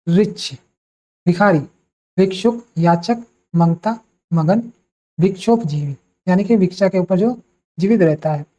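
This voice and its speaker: A woman teaches an exam-prep vocabulary lesson, naming words one after another at a slow, deliberate pace. Her voice is mellow and soft-edged. The recording sounds dull and lo-fi. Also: fairly low pitch.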